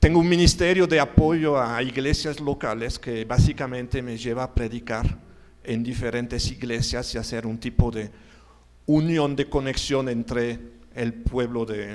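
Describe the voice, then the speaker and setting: At a fairly slow pace, a man with a non-native accent talks in a medium pitch. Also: ordinary pitch variation. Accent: foreign accent in Spanish. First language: not Spanish (speaking Spanish). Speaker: guest preacher. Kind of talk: sermon. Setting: church.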